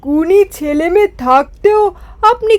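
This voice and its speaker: A woman acts out an earnest royal minister from a cartoon fairy tale, traditional and cautious. The voice is very high and takes its time, deferential in address but ready to argue. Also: expressive, unhurried, a little mellow. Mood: questioning, concerned. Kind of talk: cartoon storybook acting.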